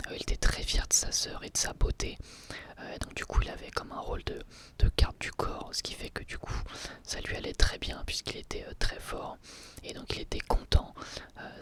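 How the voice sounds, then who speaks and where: An ASMR creator whispering an episode review, hesitant and full of fillers and restarts. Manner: soft, breathy whisper throughout.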